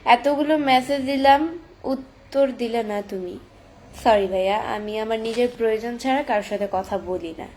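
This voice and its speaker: A woman's voice: on the high side, normal speed, a little mellow, a little hiss or hum. A teenage girl with a Chandpur Bengali accent chatting on a live stream, reading viewer comments aloud and answering them on her phone. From Bangladesh. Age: teens.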